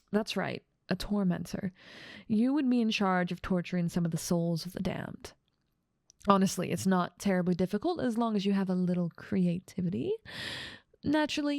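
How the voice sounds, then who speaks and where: A woman's voice: mid-range voice, gravelly, a little mellow, dry recording, clean studio sound. A woman playing a dominant, teasing female demon ruler of hell in an ASMR roleplay, with playful menace and amused condescension. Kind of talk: ASMR roleplay audio drama.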